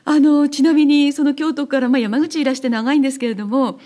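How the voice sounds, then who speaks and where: A woman's voice: high voice, fairly even intonation, a little fast. A woman hosting a radio interview, attentive and friendly, with constant backchannel responses. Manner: warm, attentive, frequent backchannel. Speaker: radio host.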